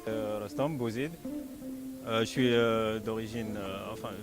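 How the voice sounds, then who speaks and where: A man's voice: lowish voice, steady tone, a little slow. A man from Algeria who works in tourism, answering an interview hesitantly with fillers. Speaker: tourism operator. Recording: loud music over the voice.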